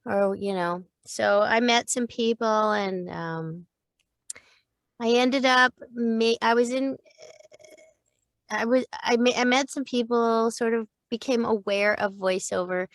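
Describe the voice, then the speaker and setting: A woman's voice: fairly high pitch, slow, no room sound. A woman in her fifties, a voice actor, telling long rambling stories in a casual interview, with many restarts and little quoted voices. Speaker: voice actor guest.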